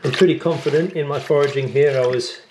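A man's voice: on the high side, fairly even intonation, fast talker, noisy background. A man in his thirties giving an upbeat, practical outdoor how-to lesson as a bushcraft instructor, speaking on an action camera in the woods and a cabin. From England. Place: woodland camp and wooden cabin.

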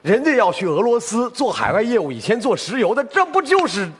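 A man's voice: very high-pitched, very animated, fairly quick, husky. A man hosting a televised job-hunting show on stage, speaking into a headset mic. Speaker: TV show host. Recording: echoey hall, studio audience noise.

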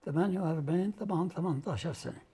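A man in his nineties from Beisan with a Palestinian Arabic accent, speaking slowly and emphatically as he recounts his past in an indoor interview. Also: on the high side, dark tone, breathy edge. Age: 90s. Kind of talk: oral history interview. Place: indoor living room.

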